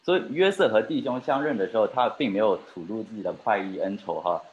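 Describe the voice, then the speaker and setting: A man's voice: fairly low pitch, brisk, a little hiss or hum. Man preaching in a roomy hall. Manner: engaging, speaks straight to the congregation with questions. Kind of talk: sermon. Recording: roomy, dull lo-fi recording.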